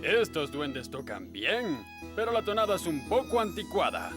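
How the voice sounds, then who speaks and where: A man with a Latin American Spanish accent playing a snooty, condescending king in a cartoon, with pompous drawn-out phrasing. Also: fairly high pitch, huge pitch swings, over music.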